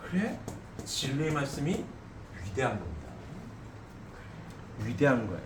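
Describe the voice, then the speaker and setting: In a reverberant hall with faint ambience, a middle-aged preacher speaks emphatically, questioning his listeners and frequently ending lines with "eh?". His pitch is medium but swings widely, his delivery is a little slow, and there's background noise.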